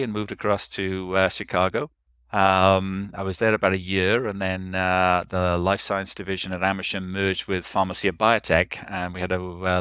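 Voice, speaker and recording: Middle-aged Welsh male podcast guest. Smooth, lowish voice, halting conversational delivery. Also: fairly bright tone, dry recording, studio quality. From Newport, South Wales. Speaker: podcast guest, marketing and sales executive. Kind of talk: conversational career story in an interview.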